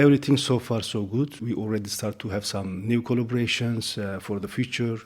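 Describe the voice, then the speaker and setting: With a Turkish accent, the speaker moves at a fairly quick pace using fairly even intonation. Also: man, medium pitch for a man. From eastern Turkey. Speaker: visiting professor. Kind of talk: interview.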